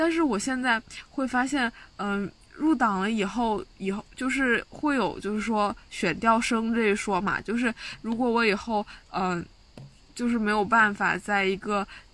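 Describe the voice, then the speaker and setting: A woman's fairly high, unremarkable speaking voice at a fairly slow pace, with ordinary pitch variation. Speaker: university graduate, podcast co-host. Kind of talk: casual chat. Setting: university dorm room.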